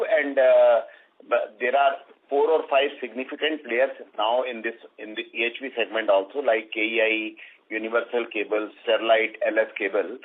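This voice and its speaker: Indian exec guy, raspy, stop-start answers, bad phone line. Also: mid-range voice. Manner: halting, repeats words. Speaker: company executive answering analysts. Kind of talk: earnings call answers. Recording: rough narrowband telephone line.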